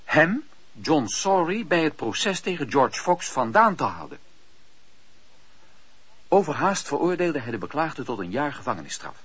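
A man's voice: fairly high pitch, a bit bright, husky, no echo. A man narrating a radio play in a scripted, dramatic style. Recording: dull, lo-fi radio play recording.

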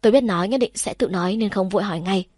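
A woman narrates a novel in the first person, calm and steady in her storytelling. Her voice sits at a middle pitch and is recorded close and dry, with no room sound. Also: fast, no echo. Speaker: audiobook narrator.

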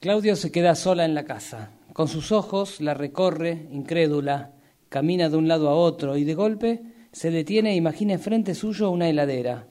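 A man's voice: fairly high pitch, normal speed, mellow. A man narrating a scripted radio drama.

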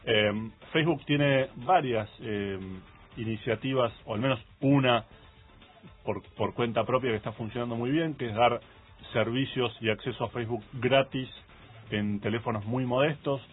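A man with an Argentine accent co-hosting a radio tech show, explaining things in a relaxed way and often agreeing. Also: mid-range voice, moderate pace, husky. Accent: Argentine Spanish. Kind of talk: casual radio chat. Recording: phone-like radio broadcast.

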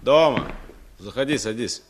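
A man's voice: mid-range voice, expressive, measured pace, lightly acted. An actor playing a grieving young village man who answers tersely in an archival radio drama. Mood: subdued. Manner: terse, subdued. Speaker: Egor. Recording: echoey, noisy old radio recording.

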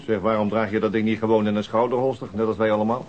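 Actor as a brisk, dry police detective. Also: male voice, on the low side, level tone, a little mellow, close to an everyday voice. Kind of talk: radio drama acting. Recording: muffled old radio drama recording.

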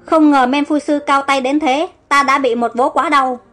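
A woman's voice: sits high, steady tone, moderate pace, fairly bright tone, soft background music. A woman voicing an angry, defeated enemy king who growls his words. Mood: furious.

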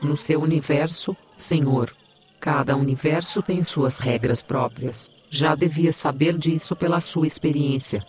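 A man's voice: a little high, unhurried, lightly acted. A man voicing a vain, sassy digital AI assistant in an audio drama, teasing and theatrical yet matter-of-fact. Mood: dry, lecturing.

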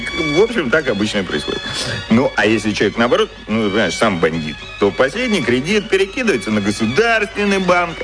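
In a radio play, an actor voices a brash, cynical advertising man at medium pitch, explaining things in slangy, colloquial bursts broken by halting pauses. Music plays in the background.

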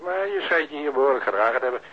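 An actor playing a gruff forensic lab expert in a Dutch radio play, dry, curt and sarcastic. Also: male voice, medium pitch, expressive, racing. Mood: sardonic. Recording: muffled, dull radio drama recording.

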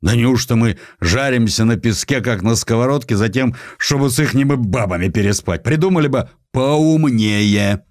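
A man's voice: medium pitch, moderate pace, no echo, studio quality, voice pushed up, close to an everyday voice. A man voicing an indignant, weary rank-and-file military man, complaining in exclamations in a historical audio story. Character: indignant, weary male soldiers and quartermasters grumbling.

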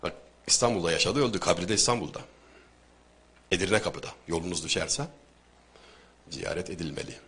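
A man giving a conversational religious and literary talk, telling anecdotes with rhetorical questions and sudden loud emphasis. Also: sits low, brisk, pauses often, slight background noise.

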